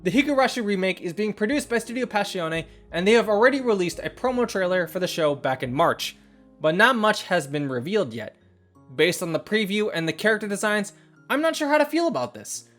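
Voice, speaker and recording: A video host narrating a scripted review in a measured, first-person commentary style. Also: medium pitch, fairly bright tone. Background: background music.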